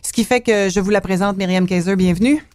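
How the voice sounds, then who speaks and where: A woman with a Québécois accent runs the interview in a chatty, easygoing way, filling pauses with little hesitations. Her voice sits at a middling pitch. The sound is dry and close, with no room echo. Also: a little mellow. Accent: Québécois French. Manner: chatty, filler-heavy, speeds up and slows down. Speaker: interview host. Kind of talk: conversational interview.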